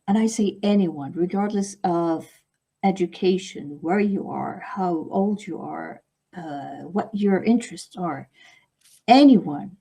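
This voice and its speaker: A woman's voice: on the low side, mellow, husky. A middle-aged woman whose first language is Arabic, a guest author in a podcast interview, speaking reflectively and often ending points with "okay?".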